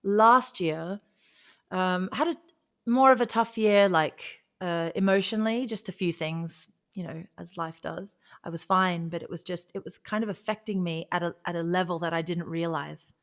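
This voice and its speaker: Female interview guest, lowish register, chatty and animated, recounting personal experiences informally. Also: normal speed. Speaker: guest, singer and vocal coach. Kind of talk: casual personal storytelling in an interview.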